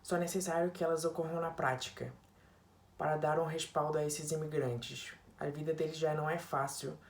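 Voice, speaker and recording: A woman's voice: deep voice, steady tone, fairly quick. A woman reading a prepared presentation, stopping on slipped words and starting them again. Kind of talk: read-out presentation. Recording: distant, echoey room with faint noise.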